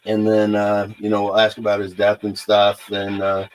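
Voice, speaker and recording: A man from the United States hosting a paranormal livestream, talking casually and off the cuff in a halting way with frequent pauses and filler sounds. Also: fairly low pitch, monotone, rough recording. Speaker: host of a paranormal investigation livestream. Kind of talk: casual unscripted livestream talk.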